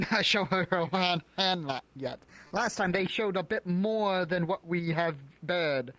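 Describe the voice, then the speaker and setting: A man's voice: high-pitched, a little slow, fairly bright tone. A man playing a distrustful, indignant town survivor in an improvised fantasy roleplay, theatrical and accusatory.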